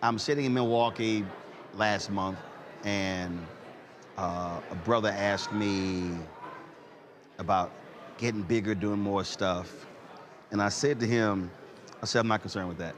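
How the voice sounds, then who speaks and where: A man in his fifties hosting an interview, telling stories in an animated way and repeating "I said" as he acts out conversations. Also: on the low side, unhurried, pauses often, background noise. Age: 50s. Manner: animated storyteller, repeats "I said" while acting out exchanges. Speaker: host. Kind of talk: casual interview chat.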